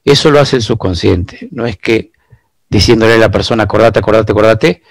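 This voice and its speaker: A low-pitched man lectures patiently as an interview guest, his voice gravelly with fry. He is recorded close and dry, with no room sound. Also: no echo. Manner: measured, lecturing, with frequent rhetorical asides. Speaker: guest expert on biological decoding. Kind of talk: explanatory interview answers.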